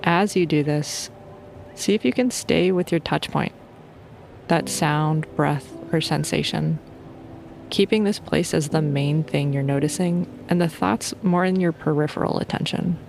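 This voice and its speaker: A woman's voice: low-pitched, a little slow, gravelly, music in the background. A woman leading a guided sleep meditation in an informal, playful and soothing way.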